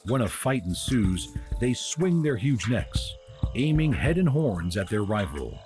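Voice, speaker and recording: A man giving scripted nature documentary narration in a measured, dramatic way, with grand descriptive phrasing. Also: fairly low pitch, sing-song. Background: music behind the voice.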